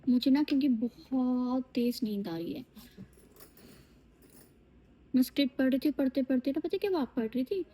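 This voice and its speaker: A woman's voice: high voice, fast talker, breathy edge, low-quality recording. A woman vlogging casually from a TV shoot, chatting with her viewers in a tired, sleepy way. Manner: chatty, animated, addresses viewers as lovelies. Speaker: vlogger and TV actress. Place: on a TV shoot location, in and out of doors.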